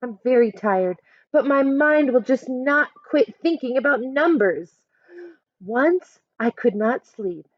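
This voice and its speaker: Her voice sits high and slow as the woman teacher reads a picture book to children, expressive and instructive, occasionally turning to address her young audience. The audio is dull, with no room sound.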